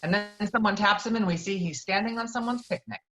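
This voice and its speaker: A woman's voice: mid-range voice, fast, a bit bright, soft background music. A woman reading out screenplay stage directions as the narrator of an online table read. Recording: dull, lo-fi online call audio.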